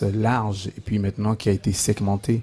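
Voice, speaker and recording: A man speaks with a dark, mellow tone. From Cameroon. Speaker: singer-songwriter. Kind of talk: radio interview.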